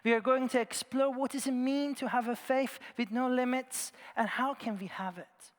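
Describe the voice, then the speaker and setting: A man from Iran, preaching a sermon in an earnest storytelling way, his phrases often trailing off softly at the ends. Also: extremely high pitch, steady tone, normal speed. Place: large church. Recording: long church reverb.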